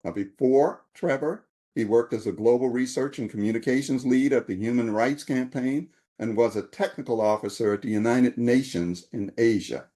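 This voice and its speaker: A man with a mellow, soft-edged voice acts as moderator, reading out a guest's introduction. His delivery is formal and measured. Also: mid-range voice.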